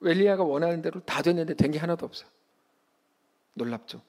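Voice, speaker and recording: A man in his thirties preaching a sermon as a pastor, in an animated, conversational way that acts out quotes. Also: on the high side, quick pace.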